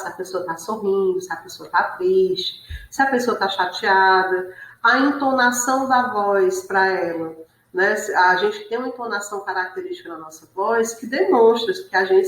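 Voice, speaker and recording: A woman's voice: mid-range voice, a bit bright. Woman teacher lecturing in a roomy space. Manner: explanatory, frequent tag questions. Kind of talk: online class lecture. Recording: roomy echo.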